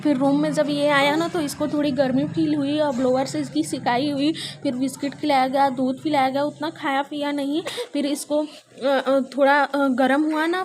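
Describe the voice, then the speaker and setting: A young woman, a mother and family vlogger, chats casually at home, explaining at length with plenty of fillers. Her voice is high and a bit bright, with slight background noise, and music and prayer sounds can be heard nearby.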